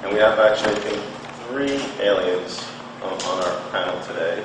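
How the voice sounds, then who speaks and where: An easygoing male moderator introduces the panel, leaning on fillers, with a lowish voice. The recording is distant, with long hall reverb and steady noise underneath. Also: normal speed. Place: large convention hall stage. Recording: reverberant hall from far off, noisy.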